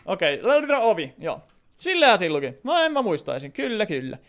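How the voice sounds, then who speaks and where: A man's voice: high voice, huge pitch swings, a bit bright. A man casually commentating his game stream, playful and chatty with lots of fillers.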